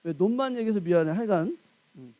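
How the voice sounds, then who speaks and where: A woman's voice: mid-range voice, animated, fast talker, warm tone. A woman pastor preaching a sermon in a church, emphatic and full of rhetorical questions to the congregation.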